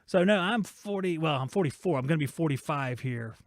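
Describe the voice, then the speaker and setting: A man's voice: on the high side, expressive, fairly quick, no echo, clean studio sound. A man in his forties hosting a live-streamed podcast from his workshop, rambling and joking as he reads viewer chat aloud. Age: 40s. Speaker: host of a live-streamed shop talk podcast.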